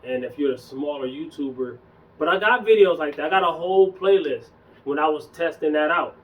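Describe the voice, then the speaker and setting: A young man casually talking in a relaxed, slangy way as a fitness vlogger, a bit hoarse from losing his voice. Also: a little high, fairly quick, recorded from a distance, rough recording. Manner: loose, conversational, slangy. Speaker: fitness YouTuber. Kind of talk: casual vlog chat.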